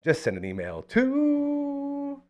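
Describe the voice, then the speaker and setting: A male show host singing a short jingle, slow and drawn out, through an auto-tune voice changer. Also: very high-pitched, huge pitch swings, a little mellow, dull audio.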